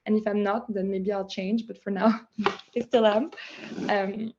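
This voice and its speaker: A woman's voice: medium pitch, unhurried, background noise. Young french woman talking about her business, lots of "like", sounds a bit muffled. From France. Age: young adult. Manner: chatty, many "like" fillers, animated. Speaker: guest, founder of a nut butter business. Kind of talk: casual interview chat.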